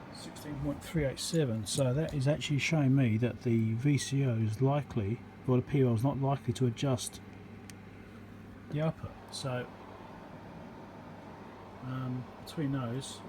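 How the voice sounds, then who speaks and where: A man giving a hands-on electronics repair demonstration, thinking aloud in an informal, halting, step-by-step way. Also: medium pitch. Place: indoor repair workbench. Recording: steady background hum and room noise.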